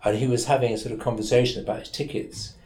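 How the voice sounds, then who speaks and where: A Manchester-accented lawyer in his seventies, from England, spins wry and rambling stories as a guest in an interview recorded in his office. He talks quickly in a mid-range, darkish voice with fairly even intonation, and the sound is roomy.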